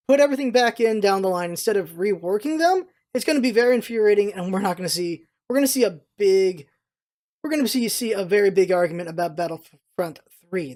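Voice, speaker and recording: A man's voice: high voice, darkish tone. Rambling man in casual opinionated commentary. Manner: rambling, repeats himself for emphasis. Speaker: vlog host, gaming content creator.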